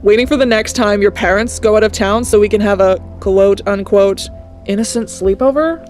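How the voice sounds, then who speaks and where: A man's voice: high voice, normal speed, a little mellow, soft background music, natural voice. A man voicing a sassy, proud Latina teenage girl who speaks earnestly and with frustration. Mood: frustrated.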